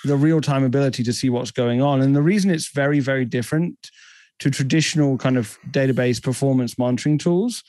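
A man's voice: medium pitch, brisk, darkish tone, no room sound. A man in his thirties with a British accent, a guest explaining technology fluently in a podcast interview over a headset from a home office. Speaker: guest, tech company CEO.

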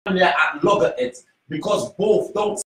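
A man's voice: sits high, animated, moderate pace, a bit bright, distant mic. A man from Sierra Leone speaking as a guest on a radio talk show, making his points emphatically and repeating key phrases. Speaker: studio guest. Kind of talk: impassioned talk-show opinion. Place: small radio studio. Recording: echoey studio from off-mic.

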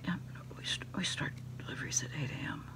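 A middle-aged woman doing a hushed ASMR roleplay, unhurriedly taking orders into a phone handset. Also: quick pace. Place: small indoor desk space.

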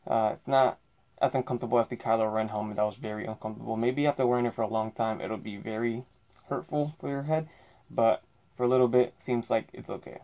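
A man's voice: medium pitch, steady tone, quick pace, warm tone. A man giving a casual product review while wearing a closed helmet, speaking in a plain, easygoing way with some fillers. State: talking through a closed helmet.

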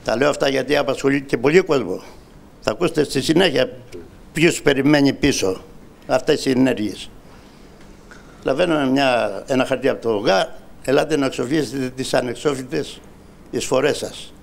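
Gravelly voice, man in his sixties from greece, aggrieved storytelling, mid-pitched. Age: 60s. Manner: aggrieved, storytelling, addresses the host and minister directly. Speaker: audience member telling his grievance. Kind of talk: impassioned personal account on a talk show.

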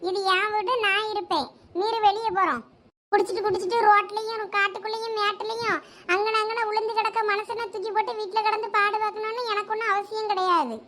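A woman with a Thoothukudi Tamil accent, pitched very high, talking sharply and scolding in a village comedy sketch. Her lines carry a faint outdoor ambience with a light hiss. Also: steady tone, fast, a bit bright. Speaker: mother and wife in a village sketch. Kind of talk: village comedy drama acting.

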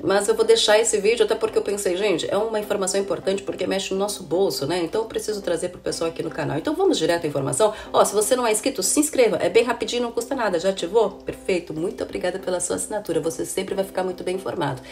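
A woman in her thirties with a hoarse, cold-roughened voice, talking casually to camera as a channel host and explaining things in a chatty way to her viewers. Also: mid-range voice, racing, hardly any pauses, darkish tone. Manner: chatty, addresses viewers as "gente", frequent "né?" and "viu?". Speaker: immigration consultant and channel host. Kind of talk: casual informative vlog to camera. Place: indoor room with window blinds. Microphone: camera at close range.

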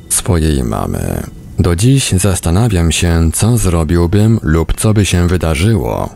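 A man with a very low voice and a creaky, gravelly edge reads a book aloud. He delivers it as scripted first-person narration, in the role of an audiobook reader. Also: mellow.

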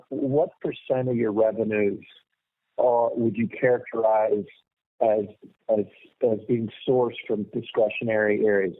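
A man asking careful, deliberately phrased questions as a financial analyst on a formal earnings call. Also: mid-range voice. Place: telephone handset on conference call. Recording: muffled, narrow phone line.

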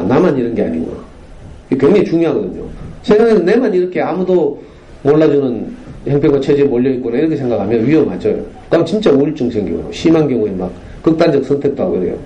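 경상도 억양의 중년 남성이 학교 강당에서 학부모들에게 청중에게 질문을 던지며 생생하게 이야기를 풀어내는 강연을 합니다. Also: male voice, medium pitch, a little hiss or hum, low-quality recording. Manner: animated storytelling, rhetorical questions to the audience. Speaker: parenting lecturer. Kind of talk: lively lecture to parents. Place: school lecture hall.

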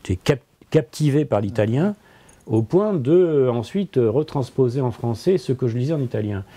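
A man's voice: mid-range voice, expressive, dark tone. A French-speaking man in his sixties, a philosopher giving an interview in a book-lined office, speaking thoughtfully with many hesitations and repeated words. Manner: thoughtful, halting, frequent repetitions and hesitations. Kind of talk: conversational interview.

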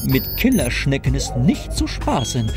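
A man's voice: medium pitch, huge pitch swings, measured pace, over music. A man playing a fussy, literal-minded android servant in a comedy audio drama, formal and pedantic in manner. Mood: pedantic, polite.

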